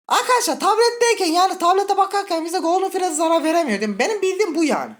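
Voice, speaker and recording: Brief: male let's-play host, nervous and twitchy, swings from high yelps to low mutters, curses at the game, keeps asking the viewers things. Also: a bit bright. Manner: jittery, scared, muttering and cursing at the game; talks directly to viewers. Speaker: gaming channel host.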